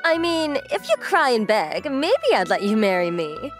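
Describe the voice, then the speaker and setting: A woman plays a proud young heiress in a manga dub. She is blunt, teasing and sure of herself, in a slightly high, very expressive voice over faint music. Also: moderate pace. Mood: smug. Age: young adult. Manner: self-assured, matter-of-fact, teasing.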